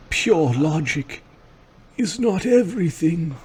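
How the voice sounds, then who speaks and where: Contrary, indignant old man for tabletop role-play acted by a man, raised voice, slow theatrical delivery. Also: fairly high pitch, sing-song, very noisy, voice pushed up. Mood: insistent. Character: stubborn, meddling old man, indignant and defiant.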